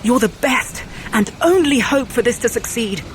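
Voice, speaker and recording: An actress playing a stern, commanding Asgardian warrior in an audio drama, solemn, urgent and rousing. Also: female voice, a little high, animated, moderate pace, slight background noise, natural voice, low-quality recording.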